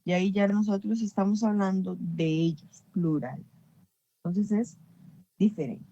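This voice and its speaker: A woman's voice: medium pitch, fairly even intonation, a little slow, warm tone, highs cut off. A woman teaching an English grammar class online, explaining patiently and often checking understanding.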